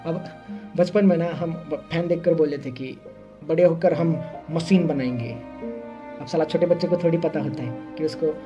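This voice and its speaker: A man's voice: on the high side, normal speed, muffled recording, music in the background, natural voice. A young man, playing a shy, earnest engineering student from a village in a scripted monologue. He talks hesitantly, with many fillers and wry self-mockery. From Uttar Pradesh, India. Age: young adult.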